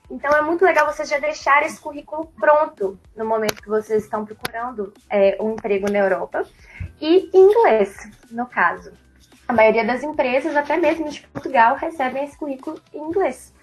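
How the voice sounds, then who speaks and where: This is a woman with a Brazilian accent and a notably high-pitched voice. She presents like a recruiter on a live stream, informal and chatty. She speaks straight to her audience as she explains things. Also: rough recording. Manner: chatty, addresses viewers directly.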